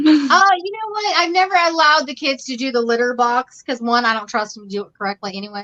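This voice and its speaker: Talking very fast with hardly any pauses, a woman uses a raised, projected, bright and sharp voice, high in pitch and animated in tone, with very wide pitch swings and big swings in loudness. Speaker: crochet content creator. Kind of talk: casual chat. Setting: video livestream.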